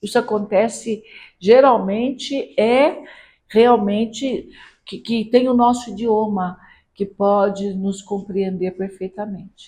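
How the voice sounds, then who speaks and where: A woman with a fairly high pitch and a dark, mellow, somewhat breathy tone speaks at a very slow pace with fairly even intonation. Her loudness swings widely over a quiet background. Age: 70s. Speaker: spiritist lecturer. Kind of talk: religious lecture. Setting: lecture hall with live audience, streamed. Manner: conversational.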